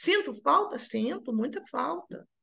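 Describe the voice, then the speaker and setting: In a raised, projected voice, a woman speaks at a fairly slow pace with very wide pitch swings. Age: 60s. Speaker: spiritist lecturer. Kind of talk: public talk. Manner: casual, conversational.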